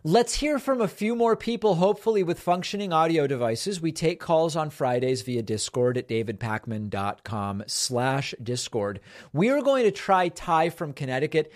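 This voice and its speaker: A man hosting a call-in show, talking with callers and reading sponsor ads in a brisk, emphatic, conversational way. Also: fairly high pitch, sing-song. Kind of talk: casual call-in talk and read sponsor ads.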